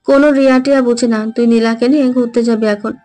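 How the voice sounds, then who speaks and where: A bossy middle-aged mother in an audio drama, voiced by a woman, barking orders at her son. Her voice sits fairly high, with soft music underneath. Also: fairly even intonation, fast talker, close to an everyday voice. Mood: scolding. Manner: scolding, commanding. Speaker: hero's mother.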